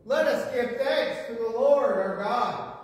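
A man with a fairly high voice leads a solemn liturgy at an unhurried pace. His measured, partly chanted lines ring out from far off in a large church, trailing long reverb through the hall. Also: background noise. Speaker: presiding minister.

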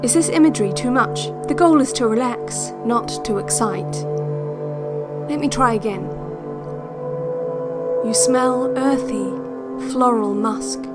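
An actress playing a calm, controlling narrator of a relaxation cassette in an audio drama, speaking in measured, deliberate phrases. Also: female voice, on the high side, lightly acted. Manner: measured, hushed guidance with deliberate pauses. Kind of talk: scripted guided-visualisation audio drama. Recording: voice over loud ambient music. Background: ambient new-age music.

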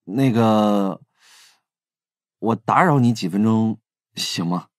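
An actor in a Chinese audio drama playing a candid, protective younger brother who confides hesitantly and earnestly. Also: male voice, on the low side, slow pace, no room sound, clean studio sound. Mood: earnest, subdued.

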